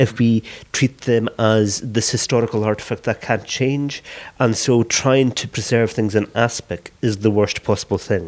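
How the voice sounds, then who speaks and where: In a very clean recording with a silent background, a man with a Hebridean accent talks at a moderate pace and medium pitch. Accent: Hebridean Scottish English. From Isle of Lewis, Scotland. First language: Gaelic. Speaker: Gaelic poet. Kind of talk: conversation.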